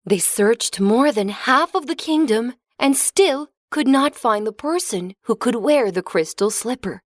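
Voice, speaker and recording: A woman narrating a children's fairy tale in a clear, expressive storybook reading. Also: a little high, measured pace, no echo, clean studio sound.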